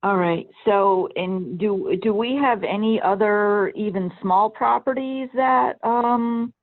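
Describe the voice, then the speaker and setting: Gravelly voice on a tinny phone line. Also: medium pitch, slow pace. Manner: hesitant, many repeated okays and restarts. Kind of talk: committee meeting discussion.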